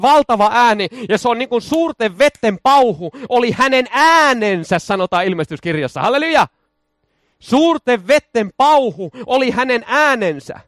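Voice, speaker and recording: A high-pitched man preaching with exuberant energy, his clear as he breaks into shouted hallelujahs and folksy jokes. The sound is dry and close, with no room echo. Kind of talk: charismatic sermon.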